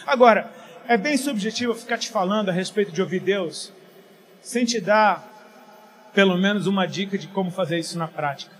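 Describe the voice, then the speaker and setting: A middle-aged man from Paraíba, Brazil, preaching a casual, joking sermon that swings from quiet to loud. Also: high-pitched, slight background noise.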